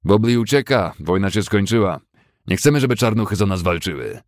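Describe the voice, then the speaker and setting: A man voicing a scornful, coarse white ex-soldier who talks loudly and sneers. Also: on the low side, expressive, a little fast, no room sound, studio quality, voice pushed up, lightly acted. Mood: mocking. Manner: scornful, loud.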